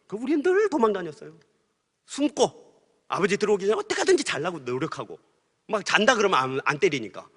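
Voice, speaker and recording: Animated, bright-voiced male preacher in a reverberant hall. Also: very high-pitched. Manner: animated, swings from hushed storytelling to loud outbursts. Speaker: pastor. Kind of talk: sermon with storytelling.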